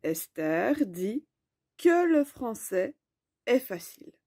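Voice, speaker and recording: A woman teaching a grammar lesson in a slow, clear, explanatory way. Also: on the high side, big pitch swings, warm tone, no room sound, studio quality.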